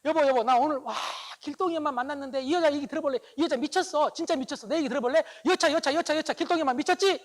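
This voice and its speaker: A man voicing an upset middle-aged wife who vents to her husband in a shrill, exclamatory rush. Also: fast talker. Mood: worked up.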